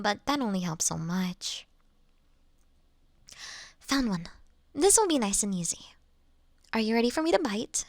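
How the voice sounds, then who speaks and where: A woman's voice: medium pitch, dry recording, clean studio sound, pitched below the performer's own voice, lightly acted. A woman voicing a kind, playful female vampire who reassures and teases politely in an intimate roleplay audio drama. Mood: soothing, attentive. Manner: soothing, polite, teasing, unhurried.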